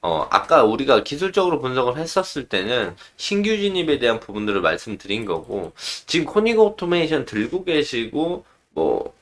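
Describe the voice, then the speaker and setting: Man with lively, swinging intonation, explaining charts. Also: mid-range voice, moderate pace, hardly any pauses. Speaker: stock analyst presenter. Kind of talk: informal stock chart commentary.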